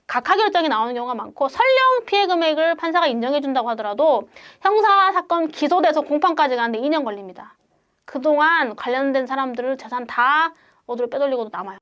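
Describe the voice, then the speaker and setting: A woman lawyer hosting a channel, explaining legal steps to viewers in a direct, emphatic way and slowing down to stress key points. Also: high voice. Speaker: lawyer host.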